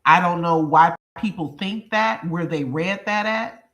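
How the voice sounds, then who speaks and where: Congested, bright-voiced reaction host. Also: mid-range voice, a little slow. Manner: emphatic, repetitive, explaining to viewers. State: congested, sniffling. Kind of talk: commentary on a true crime case.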